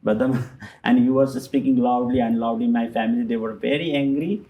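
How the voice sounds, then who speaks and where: A middle-aged man, a guest telling his personal story in halting, full of fillers and restarts. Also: mid-range voice, fairly even intonation, narrow, tinny audio. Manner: halting non-native English with many fillers and restarts. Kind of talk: personal testimony in conversation.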